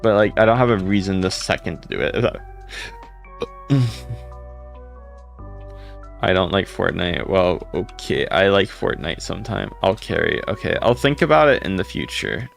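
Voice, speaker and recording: A man with a deep voice chatting casually on a livestream, rambling and greeting viewers by name. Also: expressive, a little slow, gravelly, pauses often, faint music behind.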